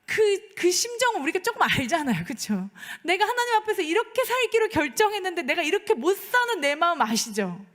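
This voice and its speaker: A middle-aged woman pastor delivers a sermon like a personal story, checking in with her listeners as she goes. Her voice sits high and swings widely in pitch. A long church reverb trails after her words. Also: big pitch swings, brisk, hardly any pauses, a bit bright. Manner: conversational, asks the congregation for agreement, acts out dialogue. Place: church sanctuary.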